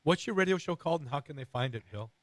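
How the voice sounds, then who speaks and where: Man, middle-aged, radio host, raspy, hoarse, earnest rambling, dry close sound. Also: a little high, animated, quick pace, no echo. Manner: earnest, rambling with many fillers and restarts.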